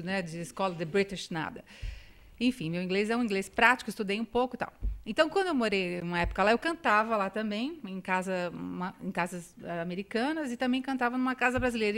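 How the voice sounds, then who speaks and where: A woman hosting a studio talk show, talking at length in a chatty, agreeable way. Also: mid-range voice. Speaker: talk show host and singer. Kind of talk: casual studio chat.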